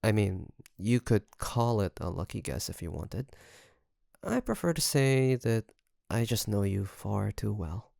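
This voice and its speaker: A man's voice: lowish voice, big pitch swings, vocal fry, no echo, studio quality, full character voice. A man playing a nervous, caring young best friend in an intimate audio roleplay, speaking hesitantly and straight to the listener. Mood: caring, teasing. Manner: hesitant, halting, soft nervous chuckles. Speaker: voice actor.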